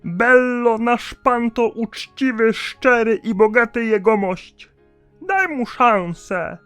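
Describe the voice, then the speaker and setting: Cartoon servant, played by a woman: earnest, slow coaxing, dry sound over music. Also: fairly high pitch, a bit bright, smooth, no room sound.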